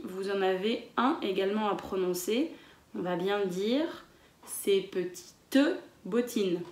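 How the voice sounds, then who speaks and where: A woman teaches verse reading with an unhurried, deliberate pace. She sounds out each syllable with care in a mid-pitched voice. The room around her is noticeably echoey. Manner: slow, careful and instructive, stressing each syllable in recitation. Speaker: French teacher. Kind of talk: online lesson on scanning and reading verse aloud.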